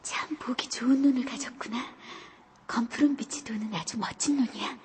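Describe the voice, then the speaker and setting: A shy, eager young girl, voiced by a woman, speaks in an audiobook, bashful and prone to stammering. Her voice is high and flits up and down in lively swoops. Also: normal speed, slight background noise. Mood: musing. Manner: bashful, stammering when nervous.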